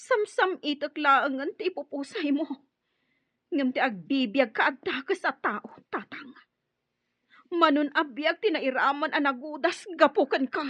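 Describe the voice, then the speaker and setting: Defiant high-voiced tribal daughter. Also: female voice, animated, unhurried, long pauses, fairly bright tone, dry recording, highs cut off. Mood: bitter resolve. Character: defiant tribal chief's daughter, righteous and resolute. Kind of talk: Ilocano radio drama acting.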